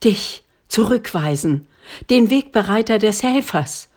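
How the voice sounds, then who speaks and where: Woman reading an anxious old father, low and slow, unsure of himself. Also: darkish tone. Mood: astonished. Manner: hesitant, then overwhelmed. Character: worried old father, elderly man.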